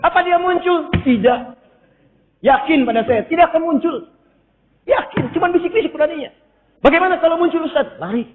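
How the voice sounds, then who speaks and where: High-voiced, lively male preacher in a hall. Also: a little fast, pauses often, a little hiss or hum. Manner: lively and humorous, jumps high for emphasis. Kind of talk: sermon. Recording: tinny echoey hall recording.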